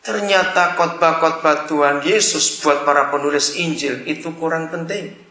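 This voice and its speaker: A man preaching a sermon to a congregation, animated, calling out to the listeners, swinging between shouting and quiet asides. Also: fairly high pitch, moderate pace. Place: church hall. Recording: echoey church hall.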